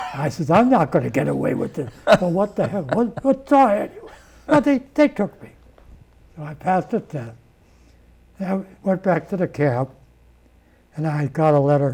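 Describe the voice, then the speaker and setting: In an American accent, a man with a high-pitched, dark, mellow tone talks at a moderate pace, with very wide pitch swings, big swings in loudness, and long, frequent pauses. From western Massachusetts. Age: 90s. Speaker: war veteran. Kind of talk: interview. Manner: halting.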